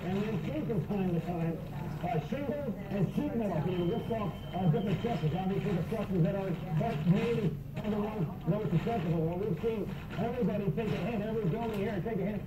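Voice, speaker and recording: Casting: male field meteorologist, high projected voice, live storm report, distant mic swamped by wind. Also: a little fast. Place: open-air stairwell of parking structure. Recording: dull, distant, echoey, roaring wind noise. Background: roaring hurricane wind.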